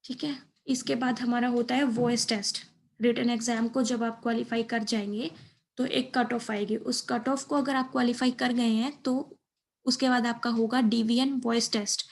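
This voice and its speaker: A woman's voice: on the high side, little pitch movement, moderate pace, creaky. A woman giving an informal exam-preparation explainer, mixing in English terms and often checking in with a short tag phrase. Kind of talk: informal explainer lesson over slides.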